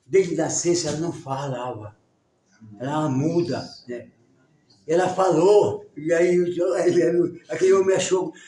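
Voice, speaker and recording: Male teacher doing a gruff farmer boss, higher-pitched, heard roomy and distant. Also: dark tone, lightly acted. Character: harsh rich male farmer, threatening then humbled. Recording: roomy sound, distant mic.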